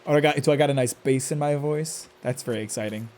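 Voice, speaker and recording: A man's voice: medium pitch, fast talker, darkish tone. A man commenting on his own game live, stressed, talking to himself and cursing at enemies with sudden outbursts. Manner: talks to himself, curses at enemies, jumpy outbursts. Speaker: streamer playing a game live.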